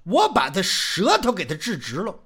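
A man's voice: high voice, huge pitch swings, moderate pace, a bit bright, breathy edge, heavily acted. A man voicing a feisty 94-year-old male Taoist doctor who boasts proudly and talks back defiantly. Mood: proud boasting.

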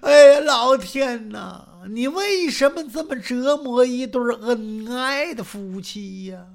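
A scheming young man wails in feigned grief, put on by a traditional storyteller. His cries run high and slow, stretched into long sobbing pleas, and break into shouts. The voice carries a gravelly edge. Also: lively intonation. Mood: wailing.

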